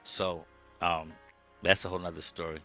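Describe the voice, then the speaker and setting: A man hosting a podcast, chatting casually with his guest in a relaxed, conversational way from his own studio setup. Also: deep voice, moderate pace, soft background music. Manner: relaxed, conversational, with frequent "um" and "okay". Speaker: podcast host. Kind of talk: casual interview chat. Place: home music studio.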